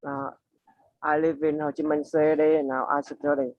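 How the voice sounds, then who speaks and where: A man's voice: a little high, level tone, moderate pace, dry recording, narrow, tinny audio. A man in his twenties with a Vietnamese accent, introducing himself in short, plain English sentences. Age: 20s. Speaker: student.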